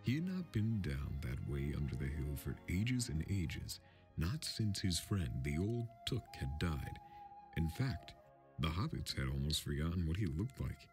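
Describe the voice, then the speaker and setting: A man's voice: very deep voice, big pitch swings, measured pace, a little mellow. A man reading a fantasy storybook aloud as scripted narration, in the role of storyteller. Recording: film score music underneath.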